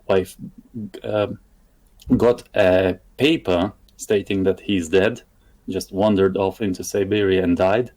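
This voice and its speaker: A man who grew up in Lithuania and speaks English as a second language after Russian. His voice is low and mellow, and he talks slowly and haltingly, restarting his words often in a casual chat. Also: poor audio. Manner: halting, many restarts and fillers. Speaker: guest. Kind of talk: casual conversation.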